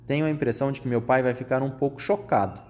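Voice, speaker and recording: A man reading aloud and voicing a spoiled, greedy boy who has been turned into a mouse, often shouting indignantly. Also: mid-range voice, quick pace, lightly acted. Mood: grumbling.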